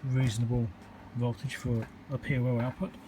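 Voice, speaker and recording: This is a man doing a practical electronics repair demo at an indoor workbench, speaking informally in a medium pitch as he reasons aloud, pausing and going step by step. There's a steady hum and room noise behind him.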